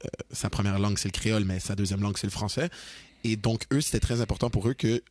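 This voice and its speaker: A young man with a Québécois French accent chatting on a podcast. He talks in a lowish, husky voice with a lively, slangy, animated manner and slips into English at times. The sound is close and dry, with no room in it. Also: quick pace, dry recording. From Quebec, Canada. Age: young adult. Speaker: podcast co-host. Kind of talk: casual chat.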